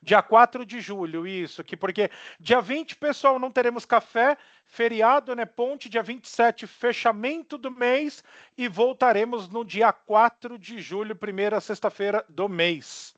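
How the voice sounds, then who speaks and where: A man's voice: very high-pitched, unhurried, a bit bright, dry recording. A man hosting an online meeting, upbeat and talking directly to his audience. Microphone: video call. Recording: dry, dull video call audio.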